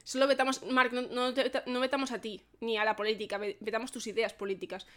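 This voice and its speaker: A woman hosting a podcast, bubbly and quick to laugh, introducing the next segments. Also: on the high side, little pitch movement, fairly bright tone. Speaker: podcast host. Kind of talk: casual chat.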